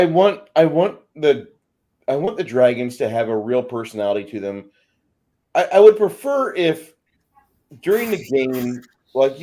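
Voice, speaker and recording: Man, medium pitch, dark mellow tone, casual panel talk, emphatic, repeated phrases. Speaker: discussion panelist.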